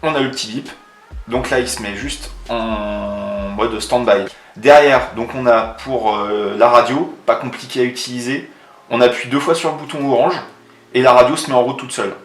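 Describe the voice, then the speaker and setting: A man's voice: medium pitch, normal speed. Echoey Frenchman giving a casual product demo. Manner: informal, colloquial, explaining step by step. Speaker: motovlogger reviewing a product. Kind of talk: casual hands-on product demonstration. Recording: roomy echo, faint music underneath.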